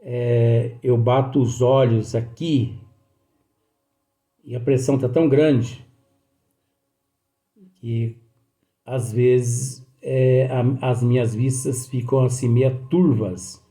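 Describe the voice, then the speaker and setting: A man with a Brazilian Portuguese accent who teaches in a slow study talk, reading passages aloud and explaining them again with many fillers. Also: medium pitch, fairly even intonation, mellow, reverberant. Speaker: spiritist teacher.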